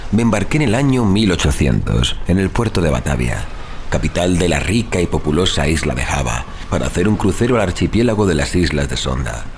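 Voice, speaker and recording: An actor playing a grave, rational, educated traveler telling his story in solemn, measured, formal literary narration for an audio drama. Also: sits low, a little hiss or hum. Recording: music playing behind the voice. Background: background music.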